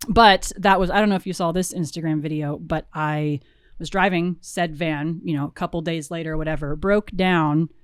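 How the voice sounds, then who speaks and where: Brief: young woman, producer guest, lowish voice, dry close sound, rambling animated storyteller. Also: moderate pace, clear, resonant tone, dry recording. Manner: animated, laughing, many fillers and restarts. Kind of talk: casual storytelling interview.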